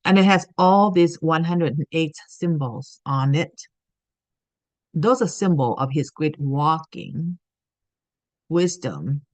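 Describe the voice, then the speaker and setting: A woman's voice: low voice, a little mellow, dry recording. A woman from Thailand giving an earnest spiritual teaching talk, often checking in with "okay?".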